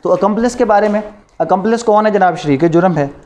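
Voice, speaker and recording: A man's voice: high-pitched, fast talker, darkish tone. A man with a Pakistani accent giving a law lecture in a didactic way, posing rhetorical questions and answering them himself.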